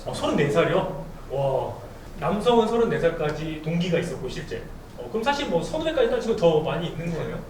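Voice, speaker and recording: A man's voice: on the high side, big pitch swings, fairly quick, darkish tone. A man hosting a talk event, upbeat and chatty, reading listener questions aloud to a panel. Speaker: host. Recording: echoey event hall, distant mic, noisy.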